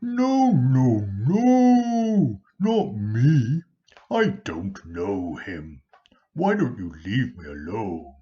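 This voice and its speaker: A man voicing a frightened man who panics and loudly pleads his denials in a Bible storybook reading. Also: deep voice, big pitch swings, slow, lo-fi sound, full character voice. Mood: panicky denial. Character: frightened young man denying a friend.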